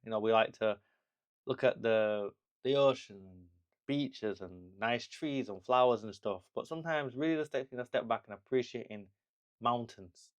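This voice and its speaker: A man's voice: medium pitch, normal speed. A young man talking casually to camera in a travel vlog, chatty and rambling, with laughs and restarts, reassuring the viewer. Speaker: travel vlogger.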